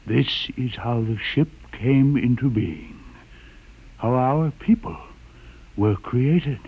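An actor playing an old man who keeps the legend of the ship, reciting it slowly in a 1950s radio drama. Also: mid-range voice, breathy edge. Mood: solemn chanting. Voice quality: slow, chanting delivery. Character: old male keeper of the ship's legend, solemn. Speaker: John the Witness. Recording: tinny 1950s radio broadcast with music.

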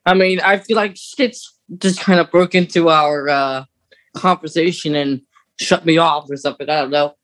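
A man's voice: fairly high pitch, moderate pace, a bit bright, low-quality recording. A man co-hosting a podcast, chatting casually and informally as an enthusiastic fan of sci-fi books. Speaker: podcast co-host.

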